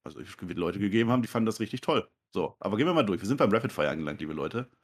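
A man's voice: lowish voice, lively intonation, racing, breathy edge. A man hosting a wrestling podcast in casual chat, joking and teasing as he leads the rundown. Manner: joking, teasing, runs the segment.

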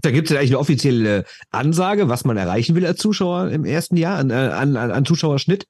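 Host, male, rapid-fire, a bit husky, argumentative podcast talk. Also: medium pitch, lively intonation, darkish tone, dry recording, clean studio sound. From Düsseldorf, Germany. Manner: argumentative, keeps adding tag question "ne?". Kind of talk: casual sports chat.

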